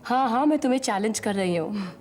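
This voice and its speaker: An actress playing a cautious young woman who gently turns down love, in a TV serial drama. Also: a little high, animated, fairly quick, a little hiss or hum, close to an everyday voice. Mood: gentle. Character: guarded young woman, Rakshanda.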